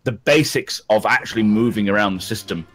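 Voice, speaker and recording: A man's voice: fairly low pitch, a little fast, fairly bright tone, husky. A man talking casually as a panellist on a gaming podcast. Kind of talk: casual panel discussion about a video game.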